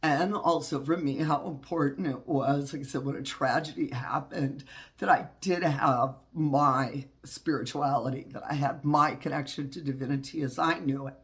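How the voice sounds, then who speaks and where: On his own witchcraft channel, a man reflects on a personal hardship in a folksy, heartfelt manner full of fillers and restarts. His low voice is congested from a cold and a bit bright, at a moderate pace.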